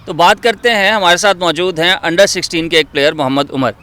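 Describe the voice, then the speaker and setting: A man with a Pakistani accent presenting in a theatrical, emphatic and deliberate way, like a dramatic poetry reader. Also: high-pitched, pushed and bright, smooth.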